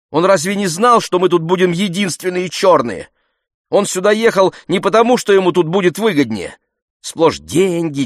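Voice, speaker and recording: A man's voice: fairly high pitch, dry recording, clean studio sound, pitched above the performer's own voice. A man voicing a middle-aged immigrant woman doctor from Nigeria who complains heatedly and asks one rhetorical question after another.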